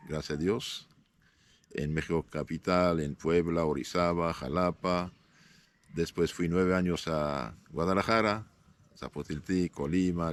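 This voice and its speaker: A man in his fifties, born in northern Syria with Aramaic as his first language, answering interview questions as a priest in a measured way, often pausing with fillers. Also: low voice. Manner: measured, halting with frequent "eh" fillers and restarts.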